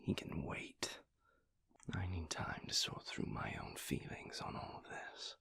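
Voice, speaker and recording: A man acts out a refined, seductive vampire lover for an intimate romantic audio roleplay. The voice is very low and mostly whispered, with a heavy gravelly creak. He speaks in a languid, weary way, lingering on formal phrases and leaving long pauses. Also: a bit bright, exaggerated voice. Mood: weary, brooding.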